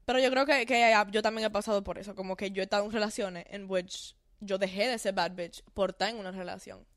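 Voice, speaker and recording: A woman's voice: medium pitch, fairly even intonation, fast talker, no echo, studio quality. A woman with a Dominican accent, a podcast guest chatting openly about her own experiences. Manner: chatty, talks through her story openly. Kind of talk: casual podcast chat.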